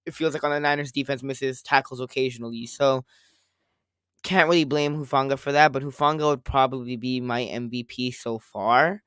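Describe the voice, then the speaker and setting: A man co-hosting a casual sports podcast, rambling and circling back to his points, a little hoarse after a cold. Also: medium pitch, steady tone, moderate pace, a bit bright, no echo, studio quality. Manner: rambling, repeats himself, quotes others. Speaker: podcast co-host.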